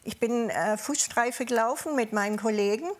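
Southern German woman, ex-cop guest, fairly high voice, talks slowly with lots of "ähm"s. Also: a little mellow. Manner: measured storytelling with frequent hesitations. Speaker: guest, former police officer. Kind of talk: panel talk, personal recollection.

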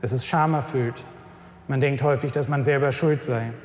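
A man's voice: medium pitch, steady tone, moderate pace, a little mellow, a little hiss or hum. A man who works as a social worker, speaking earnestly and seriously. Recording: echoey hall from far off.

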